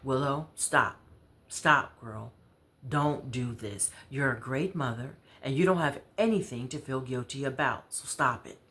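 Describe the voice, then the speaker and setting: A woman's voice: extremely low pitch, measured pace, fairly bright tone. An American woman voicing an outspoken, caring woman friend in a story, with blunt, slangy, emphatic delivery. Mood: firm, caring.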